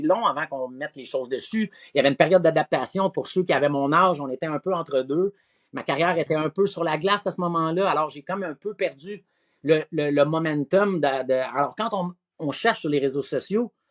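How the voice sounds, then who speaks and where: A man speaks at a fairly quick pace in a fairly high pitch, with ordinary pitch variation. The sound is dry and close with no echo, over a quiet background. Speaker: singer-songwriter and former hockey player. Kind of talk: podcast interview. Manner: loud; hesitant, many fillers and repetitions.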